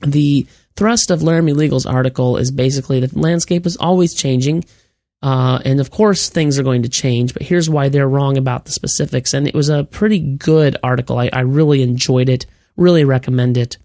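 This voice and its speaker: A man's voice: mid-range voice, brisk, no echo, clean studio sound. A man hosting a weekly movie news podcast with a slightly froggy voice from a cold, giving blunt opinions and reading off box office numbers. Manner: reads figures in a steady list-like delivery. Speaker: podcast host.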